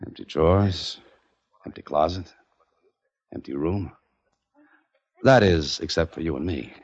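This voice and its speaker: Deep, dry-witted 1940s detective narrating, lo-fi radio sound. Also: male voice, unhurried, husky, full character voice. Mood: wry. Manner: dry, wry, hard-boiled narration. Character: wisecracking male detective narrator. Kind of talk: 1940s radio drama acting. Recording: dull lo-fi old radio with faint music.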